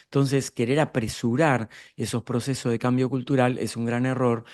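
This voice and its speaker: An Argentine man speaks at a middle pitch, explaining ideas about leadership to a live audience. He talks in an explanatory way, turning to the room with rhetorical questions. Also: level tone, normal speed, darkish tone. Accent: Argentine Spanish. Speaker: speaker on leadership and emotional intelligence.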